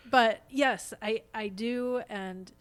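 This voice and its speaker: An American woman talking casually as an interview guest, earnest and expressive. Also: a little high, slow pace, smooth. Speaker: podcast guest, stage actress.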